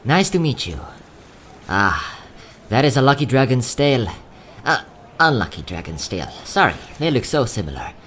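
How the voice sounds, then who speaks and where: A man performs a young travelling merchant in a fantasy audio drama, courteous and a little sad. His polite sales patter swings widely in pitch. Some ambient noise sits behind the voice. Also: big pitch swings, moderate pace, fairly bright tone. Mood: welcoming sales patter. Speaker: voice actor.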